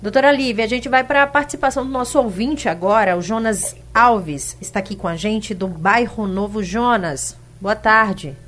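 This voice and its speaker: A woman's voice: mid-range voice, moderate pace, hardly any pauses, a bit bright, a little hiss or hum. A woman hosting a radio health program, putting questions to the doctor and bringing in callers. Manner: leading questions, introducing callers. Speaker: radio host.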